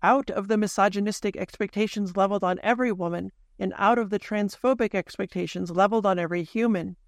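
A host analyzing a film in deliberate video essay narration, then chatting casually with a guest. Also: mid-range voice, gravelly, dry recording, clean studio sound. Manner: deliberate, analytical, reads out timestamps.

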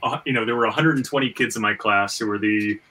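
Bright-voiced man, stammering, slightly distant mic. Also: fairly low pitch, quick pace. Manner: stammering, repeats words as he reasons aloud. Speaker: podcast host; screenwriter and fiction writer. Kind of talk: casual panel talk. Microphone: video call.

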